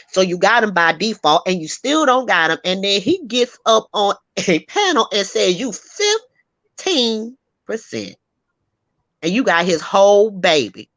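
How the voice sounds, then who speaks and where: Sassy, animated woman hosting a gossip show. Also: mid-range voice, no room sound. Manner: animated, sassy, emphatic, laughs often. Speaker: host. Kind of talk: casual gossip chat.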